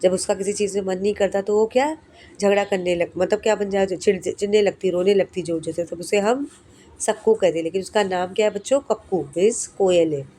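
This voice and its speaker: A woman's voice: mid-range voice, mellow, slight background noise. A woman teacher explaining a poem to young children, asking the class questions and answering them herself, with many repeats and restarts. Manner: recites the poem slowly in a sing-song way.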